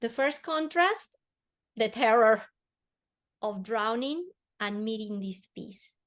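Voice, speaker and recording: A woman from Colombia speaks, pitched a little high. She tells a personal story earnestly as an interview guest. She eases into a slower, softer delivery on the heavier parts. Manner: earnest, slowing and softening on emotional words. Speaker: podcast guest.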